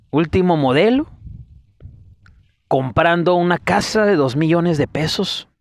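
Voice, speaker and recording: A man's voice: on the high side, no room sound. A man preaching a fiery sermon, scolding and firing off rhetorical questions. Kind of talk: denunciatory sermon.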